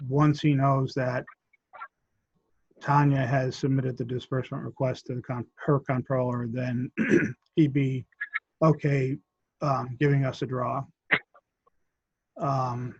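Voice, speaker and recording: A man who is losing his voice, clearing his throat often as he gives measured updates in a committee meeting. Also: mid-range voice, dry recording, dull audio. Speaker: land bank staff member.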